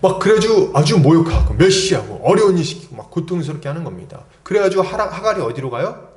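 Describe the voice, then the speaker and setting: A male pastor preaching a sermon in an animated, dramatizing way. He keeps asking the congregation rhetorical questions. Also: a little high, fast. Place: church sanctuary. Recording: roomy church hall echo.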